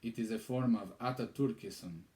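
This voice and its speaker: A man's voice: on the low side, normal speed, warm tone, natural voice. A man voicing a sardonic old Arab man with an Arabic accent in a storybook reading. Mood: scornful. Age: older.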